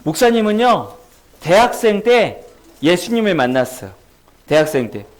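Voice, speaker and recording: Brief: male children's pastor, high and sing-song, storytelling sermon full of questions for kids. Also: big pitch swings, moderate pace. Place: church children's service.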